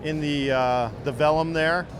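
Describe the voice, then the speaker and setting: A man's voice: fairly high pitch, steady tone, unhurried, a crowd in the background. A man working as a company rep, explaining products in an enthusiastic demo. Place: busy indoor trade show floor.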